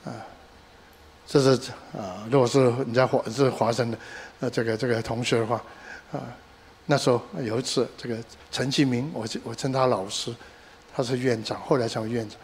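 Animated male pastor preaching. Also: mid-range voice, a little fast, a little hiss or hum. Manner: code-switches with English words, animated emphasis, storytelling asides. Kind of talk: sermon.

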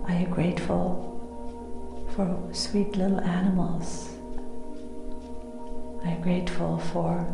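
Breathy, very slow woman, mystical healer. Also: lowish voice. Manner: airy, breathy, often near-whispered mystical healer delivery; soothing, deliberate. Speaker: guided meditation leader. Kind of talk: guided meditation. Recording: echoey reverberant sound over music. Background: music.

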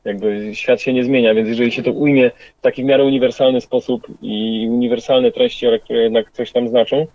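A man's voice: medium pitch, level tone, fairly quick, few pauses, darkish tone, dry recording. Reflective man with a dry, dull sound. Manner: reflective and colloquial. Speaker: rapper. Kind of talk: interview answers.

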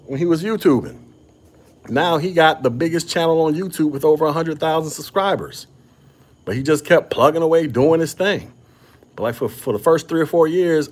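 A man hosting a casual podcast chat, talking with a slight stutter and frequent restarts. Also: a little high. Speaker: podcast host. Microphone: podcast microphone.

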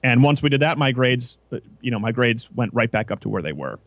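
A man's voice: medium pitch, very animated, fairly quick, fairly bright tone, dry recording. Opinionated male talk radio host. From Canada. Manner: opinionated, talks in long run-on explanations with restarts. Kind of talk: casual radio talk show chat.

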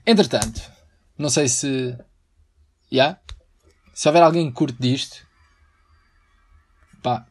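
A young man with a European Portuguese accent, hosting a casual solo podcast, rambling and slangy. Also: mid-range voice. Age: young adult. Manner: rambling and slangy, breaks into mock singing. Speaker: podcast host.

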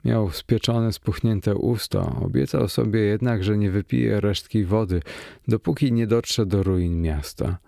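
A male narrator reads an adventure story at a steady, measured pace. His low voice carries a gravelly rasp. The recording is close and dry. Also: dry recording. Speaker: audiobook narrator. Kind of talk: scripted narration.

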